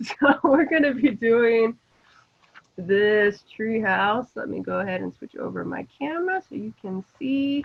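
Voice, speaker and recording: A woman speaks fairly slowly at a fairly high pitch, somewhat breathy. Her intonation is lively, with big swings in loudness. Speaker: art teacher. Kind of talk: online art class. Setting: video call.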